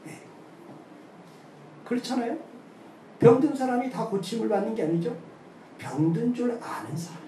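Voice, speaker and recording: A man preaches with a high but mellow voice, telling stories and acting out the people in them. He keeps turning to the congregation with quick asides. He is heard from a distance in an echoey church hall with faint noise behind him. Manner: lively storytelling, acts out quoted voices, frequent "응?" asides. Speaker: pastor. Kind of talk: sermon.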